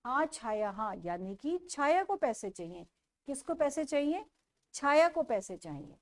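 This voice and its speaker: A woman teaching a children's textbook lesson, repeating each question and answer slowly for young pupils. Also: high voice, very animated.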